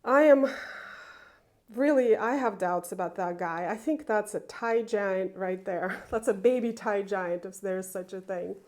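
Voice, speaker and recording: A woman chatting casually through a tour of her indoor plant room, unhurried and enthusiastic, with small laughs and fillers. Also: mid-range voice, a little mellow. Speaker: plant vlogger.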